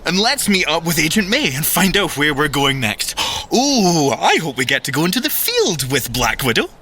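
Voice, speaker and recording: A teasing Scottish field scientist in an audio drama. His voice is bright and forceful, with lively swings of pitch. He is playful and theatrical, in a reverberant space. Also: normal speed, slight background noise, exaggerated voice. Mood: gleeful teasing. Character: playful, teasing male spy-agency scientist agent.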